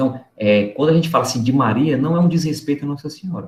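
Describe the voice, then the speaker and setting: Pitch varies in an ordinary way. There is some breathiness to the voice. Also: man. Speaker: Franciscan friar teaching a faith course. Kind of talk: online lecture. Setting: video call.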